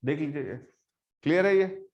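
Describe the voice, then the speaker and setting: Guy teaching physics, kinda high voice, gets loud then soft, talks right at the class. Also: moderate pace, lo-fi sound. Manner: animated, swings between soft and loud, addresses students directly. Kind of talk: classroom lecture.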